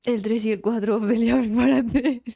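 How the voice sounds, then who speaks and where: A woman's voice: a little high, steady tone, normal speed, gravelly, warm tone. A woman with a Spain Spanish accent chatting casually on a live stream, teary after crying, emotional and rambling and swearing freely. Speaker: game streamer.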